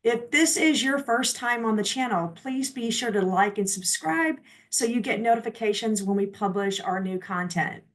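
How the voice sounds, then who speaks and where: A woman's voice: on the high side, lively intonation, moderate pace, hardly any pauses. A woman hosting an interview show, opening with a polished, upbeat scripted introduction and then asking her guest questions. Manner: polished, upbeat presenter delivery. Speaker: host.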